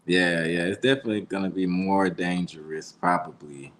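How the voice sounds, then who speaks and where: Deep-voiced laid-back American man. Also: normal speed, a bit bright. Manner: laid-back, slangy, rambling. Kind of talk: casual chat.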